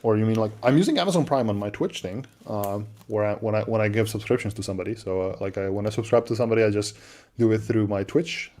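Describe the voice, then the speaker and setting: A man with an accent co-hosting a livestream, answering viewer questions in a relaxed, chatty way with lots of fillers and restarts. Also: lowish voice, fast talker. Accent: non-native English. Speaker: livestream co-host. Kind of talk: casual livestream chat.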